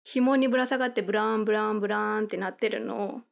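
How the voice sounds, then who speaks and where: A woman's voice: medium pitch, steady tone, quick pace, creaky. A woman co-hosting a podcast interview, asking friendly, curious questions. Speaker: podcast co-host.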